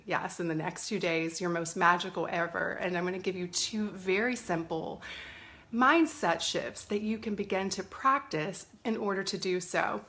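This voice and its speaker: A middle-aged woman, slightly hoarse from a cold, hosting a chatty live stream from a family home. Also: fairly low pitch, fairly bright tone. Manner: chatty, greets viewers by name. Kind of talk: casual live-stream talk. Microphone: phone or webcam live stream.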